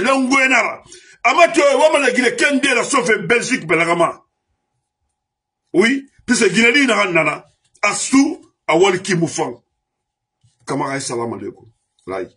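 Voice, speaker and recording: A man from Guinea giving an impassioned political monologue as a diaspora commentator. He is heated, rises to shouts and lists grievances in repeated refrains. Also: high-pitched, slightly rough.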